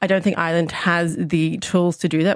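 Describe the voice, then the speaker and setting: A woman with an Australian accent talks in a fairly low-pitched voice with monotone, flat intonation. The sound is dry and close with no echo, in a very clean recording with a silent background. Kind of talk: radio panel discussion. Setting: radio studio.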